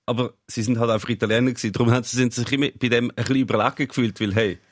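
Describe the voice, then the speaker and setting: A man's voice: medium pitch, fairly even intonation, very fast, no room sound. A man with a Swiss German accent, co-hosting a casual chat and telling funny stories. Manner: chatty, laughs while telling stories.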